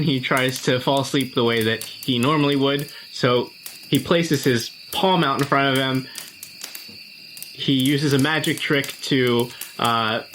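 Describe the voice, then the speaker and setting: A man with a middling pitch narrates his role-playing character in the third person. He improvises with a dry, wry touch, over faint noise and night insects. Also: fairly bright tone, low-quality recording. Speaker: tabletop game player.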